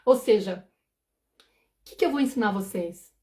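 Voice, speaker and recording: A parenting mentor in her forties gives a casual live talk at a fast, conversational clip, frequently checking "understood?" and acting out anxious inner thoughts. Her medium-pitched voice is animated and a little mellow.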